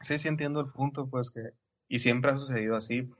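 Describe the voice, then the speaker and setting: A man's voice: mid-range voice, steady tone, fairly quick. A Mexican man talking easygoing and slangy in a podcast chat, his mid-range voice captured on a slightly dull, lo-fi recording. He drops casual filler words all through his sentences. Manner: laid-back slangy talk, peppers sentences with "güey".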